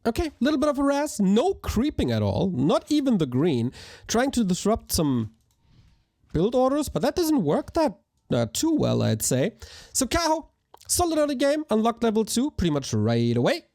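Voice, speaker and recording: A man with a hoarse voice, casting a live strategy game match in an energetic, chatty way while thanking viewers. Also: very high-pitched, moderate pace. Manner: energetic, chatty, talks to chat. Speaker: esports caster. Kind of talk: live game commentary with chat shout-outs.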